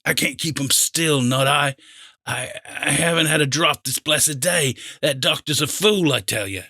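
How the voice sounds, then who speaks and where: A man voicing a feeble old seafaring pirate in an audiobook, pleading and agitated in rough sailor's dialect. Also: fairly high pitch, a little slow, bright, forceful tone, no room sound, clean studio sound, pitched above the performer's own voice, heavily acted. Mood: desperate, pleading. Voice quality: weak voice. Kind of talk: audiobook character acting.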